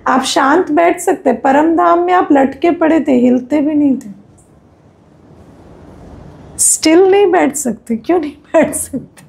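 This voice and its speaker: A woman's voice: sits high, creaky, darkish tone. A woman with an Indian accent giving an explanatory spiritual discourse, conversational and instructive, often posing questions to her listeners. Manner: didactic, conversational, often asks rhetorical questions and checks understanding. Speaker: spiritual teacher.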